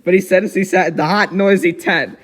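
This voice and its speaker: A man voicing a cheerful young girl who reads a storybook aloud in an expressive, giggly way. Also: high voice, a little fast. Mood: storytelling. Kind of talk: dramatic storybook reading with giggly asides.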